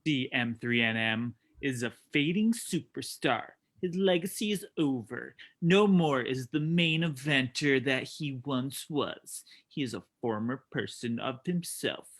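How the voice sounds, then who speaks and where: Brash, cocky male wrestler acted by a man, bright forceful voice, taunting promo delivery. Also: medium pitch, expressive, measured pace, few pauses. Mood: boastful, aggressive. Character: brash, boastful, trash-talking male pro wrestler. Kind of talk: staged reading of wrestling promos.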